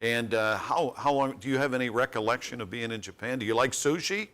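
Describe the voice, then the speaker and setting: A man's voice: medium pitch, brisk, a bit bright. A man hosting a sports radio show, interviewing a college football player in a friendly, folksy way with joking asides.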